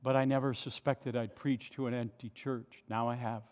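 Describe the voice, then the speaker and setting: A man's voice: medium pitch, level tone, moderate pace, darkish tone. Male pastor preaching at a pulpit microphone. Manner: impassioned, asks rhetorical questions. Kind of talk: sermon. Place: large nearly empty church. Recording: long church reverb.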